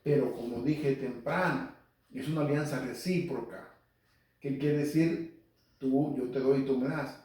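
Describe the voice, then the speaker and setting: A man's voice: mid-range voice, steady tone, a little slow, darkish tone. A man teaching the Bible to a congregation, quoting scripture and speaking to listeners by name. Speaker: lay Catholic preacher. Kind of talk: Spanish-language Bible teaching. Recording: very echoey hall, from far off.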